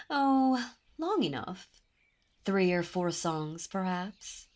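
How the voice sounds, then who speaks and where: A woman's voice: mid-range voice, darkish tone. A woman voicing a commanding, seductive demon princess in an ASMR roleplay, speaking in a teasing, imperious and intimate way.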